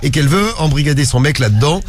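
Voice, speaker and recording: A man's voice: on the high side, expressive, fast talker, music in the background. A man hosting a joking radio talk show, playfully reading out listener problems in a studio. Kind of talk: joking late-night radio chat.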